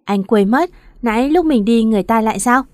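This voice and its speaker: A woman's voice: fairly high pitch, animated, a little fast, no echo, clean studio sound, lightly acted. A woman voicing a cold, curt young husband who is also a boss, in a read-aloud story. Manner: curt and dismissive.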